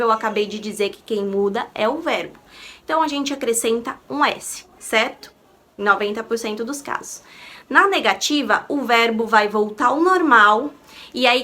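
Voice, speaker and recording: A Brazilian woman with a Portuguese first language teaches English grammar online, walking through each rule patiently. She asks herself rhetorical questions and repeats the key points. Her voice is bright and sits somewhat high. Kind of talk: explanatory online lesson.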